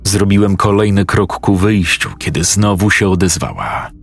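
A man narrating a first-person horror story slowly and with suspense. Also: low-pitched, steady tone. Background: faint music.

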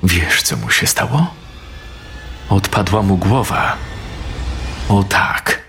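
A man voicing a creepy, ever-smiling ghost boy in a spoken horror story, talking softly and slyly. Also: low voice, animated, takes it slowly, gravelly, slight background noise, heavily acted. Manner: soft, sly and coaxing.

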